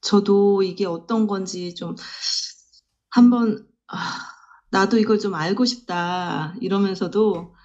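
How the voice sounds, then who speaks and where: A woman's voice: mid-range voice, slow pace, a little mellow, dull audio. A woman student confessing candidly in a question session, hesitant with many fillers and sheepish laughs, over a remote call line.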